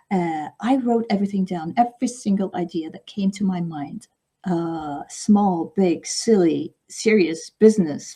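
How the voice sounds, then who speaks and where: A middle-aged woman whose first language is Arabic talks as a podcast guest. Her voice is husky and mellow. She speaks reflectively, often pausing to ask "okay?". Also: mid-range voice. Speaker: guest author. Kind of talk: podcast interview.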